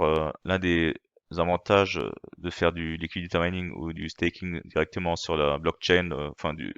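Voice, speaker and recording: A low-pitched, slightly bright male voice with a clear, resonant tone, captured in a dry, dull-sounding recording. He hosts a crypto channel and casually explains while translating a video, hesitant and full of fillers and restarts; he's not a native speaker, and his first language isn't French.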